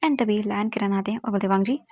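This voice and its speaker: A woman casually retelling a romance story, chatty and animated. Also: mid-range voice, quick pace. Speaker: story narrator.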